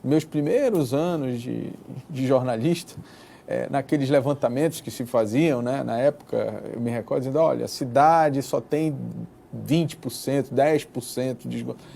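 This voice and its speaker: A man's voice: mid-range voice, moderate pace, vocal fry, dark tone, slight background noise. A man, a journalist asking conversational questions in a political interview. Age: 40s.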